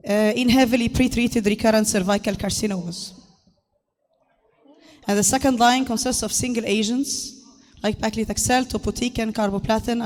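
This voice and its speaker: A woman delivers a formal medical lecture in a harsh, hoarse voice. Her delivery is halting and hesitant. The sound rings with the long reverb of a large hall. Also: fairly high pitch, darkish tone. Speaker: conference speaker, medical doctor.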